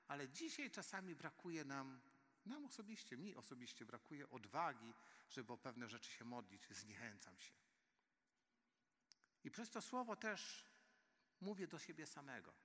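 A man's voice: medium pitch, bright, forceful tone. A man preaching a sermon and leading a spoken prayer, earnestly addressing his listeners as dear friends. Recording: long hall reverb.

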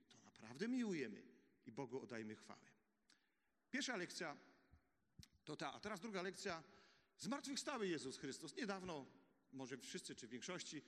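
Male preacher, sermon, high-pitched, animated storytelling, reverberant church hall. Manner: animated storytelling with dramatic drops to a hush.

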